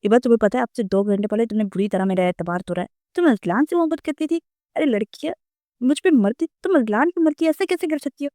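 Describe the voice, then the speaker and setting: A woman's voice: on the high side, fairly even intonation, quick pace, dark tone, no echo, lightly acted. A teasing, outspoken young man from a romance storybook, as a woman reader puts him on. The voice rises above her usual talk and is read close and dry, with no room sound around it. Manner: emotional storybook reading.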